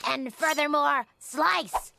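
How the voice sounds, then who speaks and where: A woman's voice: high-pitched, slow pace, gravelly, bright, forceful tone, a little hiss or hum, full character voice. A woman voicing a cartoon character who recites a silly home play in a hammy, melodramatic way. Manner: hammy, melodramatic line reading. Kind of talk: cartoon voice acting.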